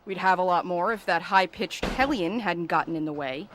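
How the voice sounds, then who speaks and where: A woman's voice: lowish voice, normal speed, background noise, close to an everyday voice. A woman playing a blunt, sarcastic, distrustful young investigator in an audio drama, with a sardonic delivery. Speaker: actor in a fiction podcast.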